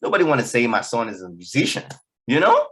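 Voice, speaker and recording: A young man with a Nigerian accent, a musician guest speaking in a relaxed, loose way in a radio studio. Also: mid-range voice, fast, slightly rough. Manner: relaxed, loose talk full of "you know". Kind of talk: radio interview.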